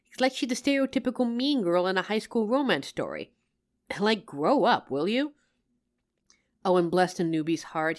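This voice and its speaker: A woman playing a loving, teasing working wife, tired after work, in an affectionate roleplay addressed to the listener. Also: on the low side. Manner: affectionate, playful, expressive.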